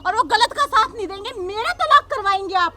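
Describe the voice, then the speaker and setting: A woman playing a sharp-tongued young daughter-in-law cop. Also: very high voice, lively intonation, brisk, slight background noise, full character voice. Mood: defiant. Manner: combative, lecturing, repeats "samajh gaye". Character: defiant young daughter-in-law police officer.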